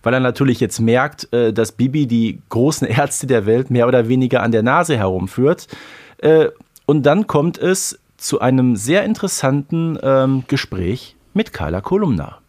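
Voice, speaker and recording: A man's voice: mid-range voice, lively intonation, moderate pace, a little mellow. A man hosting a podcast in casual chat, with many fillers. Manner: chatty, frequent fillers. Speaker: podcast host. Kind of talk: casual chat about a radio play.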